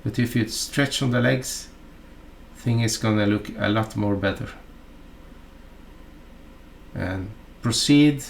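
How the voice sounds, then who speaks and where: A mid-range male voice, Norwegian-accented and from Norway, narrates a fly-tying tutorial in a stop-start, chatty fashion with plenty of fillers and asides.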